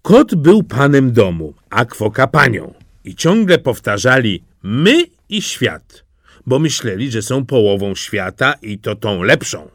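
A man reading a fairy tale audiobook in an expressive storytelling manner. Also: medium pitch, measured pace, dry recording, clean studio sound. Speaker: narrator.

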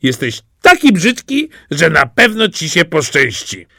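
A man's voice: fairly high pitch, wildly swooping pitch, measured pace, bright, forceful tone, dry recording, clean studio sound, pitched above the performer's own voice, full character voice. A man voicing two cocky young male wild ganders in a storybook, talking in a brash, teasing way.

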